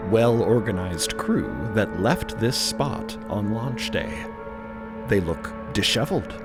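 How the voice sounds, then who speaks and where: A man reading scripted dramatic narration in a measured, descriptive storytelling manner. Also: mid-range voice. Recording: loud music under the voice. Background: loud music bed.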